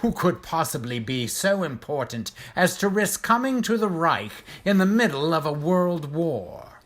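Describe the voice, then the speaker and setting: An actor playing a haughty, private, war-wounded gentleman in an audio drama, speaking in pompous, formal, precise phrases. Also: on the high side, sing-song, a little slow, full character voice. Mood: skeptical.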